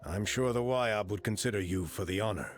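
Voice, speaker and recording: A man as an earnest low-voiced tribal official. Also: faint music behind, lightly acted. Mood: admiring. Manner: earnest, measured, formal. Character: earnest male tribal official choosing a champion, confident and courteous. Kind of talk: video game voice acting.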